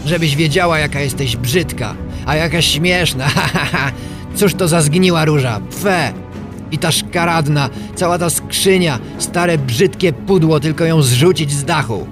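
A man's voice: mid-range voice, wildly swooping pitch, drawn-out words, few pauses, music in the background, pitched above the performer's own voice, exaggerated voice. A man voicing an impatient, mocking young boy in a storybook tale, with a brusque manner. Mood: mocking, scornful. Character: scornful, impatient young boy turned cold-hearted. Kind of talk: storybook character reading.

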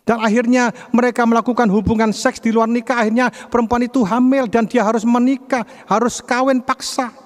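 A man's voice: very high-pitched, flat delivery, fairly quick, hardly any pauses, big-room sound, voice pushed up. A man doing an urgent, gossiping church friend. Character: concerned female church friend, blunt.

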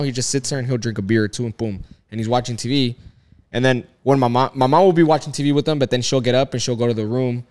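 A man in his thirties talking casually and at length. His voice sits at a middle pitch, and his speech is loose and rambling, full of filler words and swearing. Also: darkish tone, clear, resonant tone. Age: 30s. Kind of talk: casual chat.

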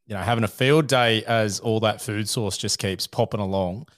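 A man hosting a podcast, easygoing, summing up his guest's points in a relaxed, chatty way. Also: lowish voice, moderate pace, no echo, clean studio sound. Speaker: podcast host. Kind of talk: casual podcast chat.

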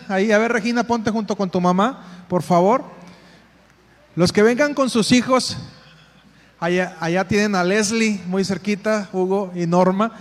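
High-voiced Mexican man leading a group. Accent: Mexican Spanish. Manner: directive, calls people by name, repeats instructions. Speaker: workshop facilitator for parents. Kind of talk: leading a live group exercise. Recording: reverberant hall sound.

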